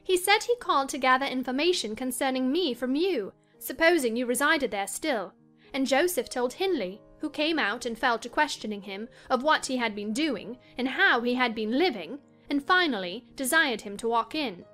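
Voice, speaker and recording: A woman playing a high-pitched, willful young gentlewoman. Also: lively intonation, normal speed, soft background music. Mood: insistent. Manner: emphatic, self-assured. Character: willful, spoiled, excitable young gentlewoman, married. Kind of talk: dramatized audiobook reading of a classic novel.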